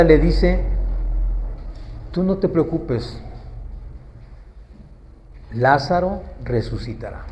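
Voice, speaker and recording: A man's voice: fairly high pitch, a little mellow, slight background noise. A man preaching a sermon in a conversational way, asking the congregation questions and acting out quoted pleas.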